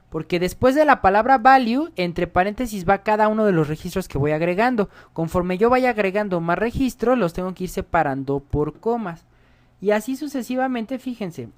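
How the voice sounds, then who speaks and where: A man gives a screen-recorded programming tutorial. He explains each step in a chatty way and keeps checking in with his viewers. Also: a little high. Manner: chatty, explains step by step, often asks "¿sale?".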